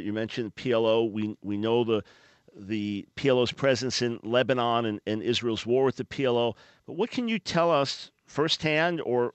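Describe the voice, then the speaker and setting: A man hosting a radio interview, asking questions in a friendly, measured way. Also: mid-range voice, no echo. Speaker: radio host.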